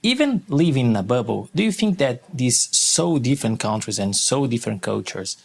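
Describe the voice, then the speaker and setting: A man's voice: mid-range voice, sing-song, moderate pace, vocal fry, breathy edge. A man hosting a podcast, asking earnest, curious questions in English whose phrasing shows Portuguese is his first language. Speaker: podcast host. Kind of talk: interview questions.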